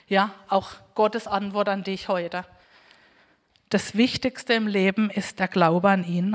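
A woman giving an earnest sermon, reading scripture aloud slowly and exhorting her listeners. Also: medium pitch. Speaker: preacher. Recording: long hall reverb.

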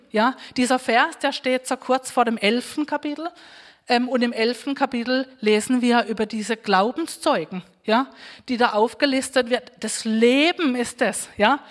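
A woman giving an earnest sermon, reading scripture aloud slowly and exhorting her listeners. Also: fairly high pitch. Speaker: preacher. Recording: long hall reverb.

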